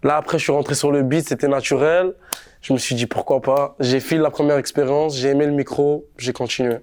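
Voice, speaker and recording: A man's voice: medium pitch, steady tone, a little fast, a little mellow. Laid-back young man rapper, slangy. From Montreal, Canada. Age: young adult. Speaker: rapper being interviewed. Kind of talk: casual interview chat.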